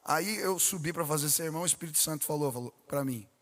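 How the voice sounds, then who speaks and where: A Brazilian man, a pastor preaching a sermon, telling stories with animated delivery and asking the congregation questions. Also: fairly high pitch, fast talker. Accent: Brazilian Portuguese. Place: church sanctuary. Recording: long reverb in a large church hall.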